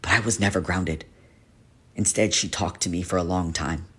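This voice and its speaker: A man playing a gentle guardian teacher haunted by his past in a dramatic monologue, with a husky, earnest, confiding delivery. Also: deep voice, steady tone, normal speed, heavily acted. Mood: hurting, confessional. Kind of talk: dramatic character monologue for a voice reel.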